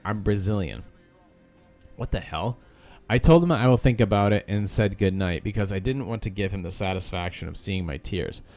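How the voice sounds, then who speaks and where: A man's voice: on the low side, darkish tone. A male podcast host reads a listener's post aloud and breaks in with sarcastic asides. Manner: sarcastic asides between read lines. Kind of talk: reading a post aloud with commentary.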